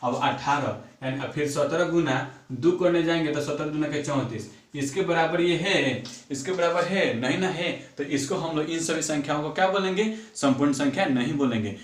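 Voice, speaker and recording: A man's voice: a little high, lively intonation, moderate pace, few pauses. A man teaching a math lesson, counting sums aloud and asking himself questions before answering them. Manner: repeats numbers aloud while working sums, asks and answers own questions. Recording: echoey room, far from mic.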